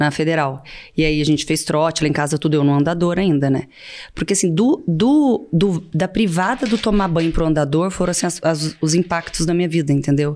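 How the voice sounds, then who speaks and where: With an ordinary speaking voice, a woman talks at a fairly quick pace in a fairly low pitch, with ordinary pitch variation and very even loudness. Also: very clean recording, silent background. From Brazil, São Paulo state (Cachoeira Paulista). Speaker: physician. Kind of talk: casual interview.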